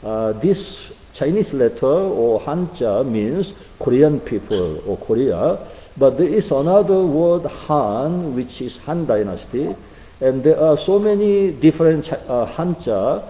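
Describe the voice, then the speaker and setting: Slow, dark-voiced man teaching a class. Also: a little high, sing-song, long reverb tail, rough recording. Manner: slow, halting, many fillers. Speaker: Korean language teacher. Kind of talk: online class lecture.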